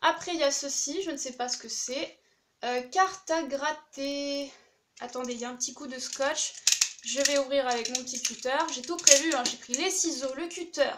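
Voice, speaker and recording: A woman's voice: sits high, moderate pace, fairly bright tone, slight background noise. A young woman chatting casually and enthusiastically as she unboxes craft supplies, with many fillers. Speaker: craft YouTuber opening a swap package.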